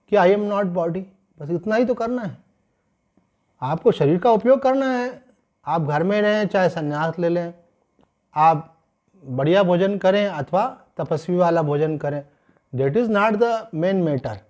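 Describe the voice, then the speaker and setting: A man, a swami giving a sermon-style scripture discourse, explaining calmly and slowing down to stress key points. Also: sits high. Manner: calm explanatory teaching, mixing in English phrases, slows to stress points.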